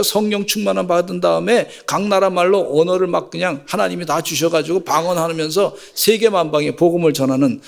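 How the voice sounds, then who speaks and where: Man, pastor, sermon, gravelly, fervent and folksy. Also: high-pitched, long reverb tail. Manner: folksy storytelling with acted quotes, rising to fervent exhortation.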